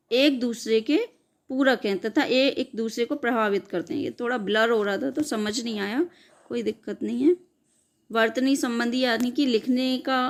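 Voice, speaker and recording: A woman teacher giving an exam-prep lecture, explaining step by step and answering her own questions. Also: on the high side.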